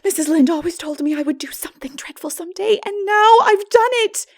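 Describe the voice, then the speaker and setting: A woman's voice: very high-pitched, fairly quick, voice pushed up. A woman voicing an impulsive, melodramatic, talkative teenage girl in a breathless, exclamatory audiobook reading. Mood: distraught. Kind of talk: dramatic audiobook character voice.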